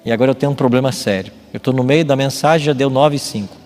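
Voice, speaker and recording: A man's voice: medium pitch, quick pace, darkish tone. Brazilian preacher man in a reverberant hall. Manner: didactic, emphatic, asks rhetorical questions. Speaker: pastor. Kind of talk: sermon, preaching. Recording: long hall reverb with music behind. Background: music.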